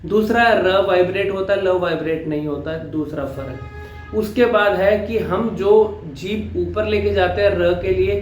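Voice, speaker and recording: उच्च आवाज़ वाला पुरुष speech coach. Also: male voice, high-pitched, darkish tone, roomy sound, highs cut off. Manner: slow, demonstrative, repeats sounds for practice. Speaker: speech coach. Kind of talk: pronunciation lesson.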